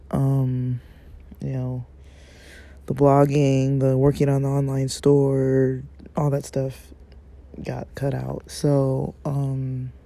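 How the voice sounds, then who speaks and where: Slow, dark-voiced man, raspy from sleep. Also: mid-range voice. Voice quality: rambling, many fillers. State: raspy morning voice. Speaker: podcast host. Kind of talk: casual morning recap.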